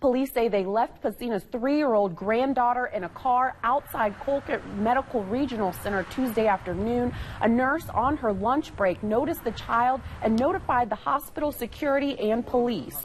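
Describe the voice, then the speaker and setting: Over noticeable background noise, a woman talks in a high pitch at a moderate pace with hardly any pauses, very even loudness and ordinary pitch variation. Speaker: TV news anchor. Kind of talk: morning TV news anchor read.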